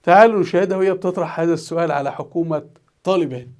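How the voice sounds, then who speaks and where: A man's voice: a little high, rapid-fire. A man with an Egyptian accent, a teacher telling a news story as commentary and acting out the quoted voices. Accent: Egyptian Arabic. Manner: animated, acts out quoted voices.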